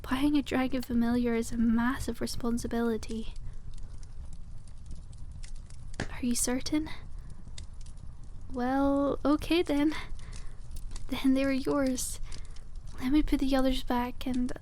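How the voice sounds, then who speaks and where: A woman voicing a cute, friendly witch shopkeeper in a soft-spoken ASMR roleplay, explaining things with gentle enthusiasm. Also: high voice, steady tone, unhurried, pauses often, a little hiss or hum. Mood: kindly, encouraging.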